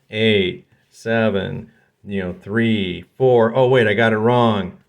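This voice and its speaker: This man's voice sits at a medium pitch, with an American accent. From Northern California. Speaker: YouTuber / BMX enthusiast. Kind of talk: casual commentary. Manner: animated.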